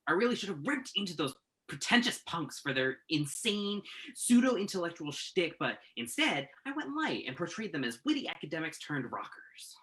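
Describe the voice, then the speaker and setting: A man's voice: on the high side, big pitch swings, normal speed, bright, forceful tone. A man acting in a play reading as a self-doubting, sardonic entertainment journalist who puts himself down. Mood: frustrated, dejected.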